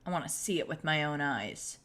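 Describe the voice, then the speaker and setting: A woman playing a crude junior high bully in a script read, blunt and threatening. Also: expressive, fairly quick, fairly bright tone. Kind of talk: table read of a film script.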